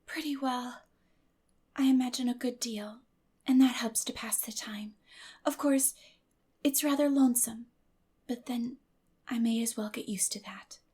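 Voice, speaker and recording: Lady doing an imaginative little girl for an audiobook, higher voice, super earnest n dramatic. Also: steady tone, a little slow, pauses often, warm tone, breathy edge. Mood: wistful. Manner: wordy, earnest, theatrical.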